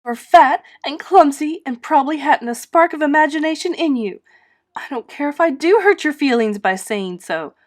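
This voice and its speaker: A woman's voice: sits high, expressive, normal speed, pitched above the performer's own voice. A woman voicing a furious, indignant eleven-year-old orphan girl in a storybook, in emphatic outbursts. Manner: emphatic, exclamatory, shouting outbursts.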